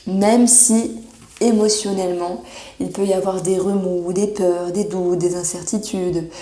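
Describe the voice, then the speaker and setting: A woman giving a monthly horoscope tarot reading, reassuring and often pausing with fillers as she searches for words. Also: on the low side, steady tone, dark tone. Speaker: tarot reader. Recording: echoey room.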